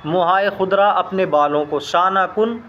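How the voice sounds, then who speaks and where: A man with a high voice works through a recorded lesson, reading a phrase and then repeating it. He talks slowly and explains each word in turn. A faint room hum runs underneath. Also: muffled recording. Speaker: language teacher.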